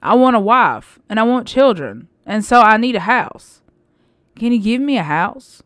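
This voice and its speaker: A woman's voice: a little high, sing-song, a little slow, a bit bright, no echo, studio quality. A woman voicing a storybook boy who grows into a weary man, speaking plainly and wanting things. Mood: insistent.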